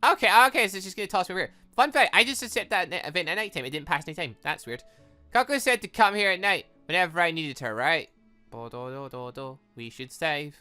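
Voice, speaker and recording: Bright, animated gaming host, chatty and rambling. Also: medium pitch, a little fast, soft background music. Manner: chatty, rambling, thinks aloud, excitable. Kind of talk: casual let's play commentary.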